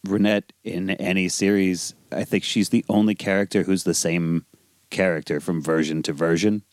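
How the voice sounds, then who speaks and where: A man co-hosting a podcast in a casual chat, his voice raspy and strained from shouting at a concert. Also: deep voice, flat delivery, moderate pace, dry recording. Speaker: podcast co-host. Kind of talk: casual comic book discussion.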